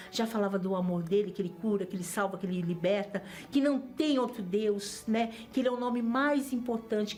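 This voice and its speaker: A woman's voice: on the high side, darkish tone. Earnest Brazilian woman giving testimony. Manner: earnest, emotional, repeats phrases for emphasis. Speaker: church member giving testimony. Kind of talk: personal religious testimony.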